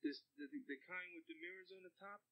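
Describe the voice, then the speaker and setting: A man's voice: high voice, steady tone, fast talker, bright, forceful tone, no echo, rough recording. A man playing a lewd, pushy newlywed caller who drawls with hesitant fillers. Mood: sleazy.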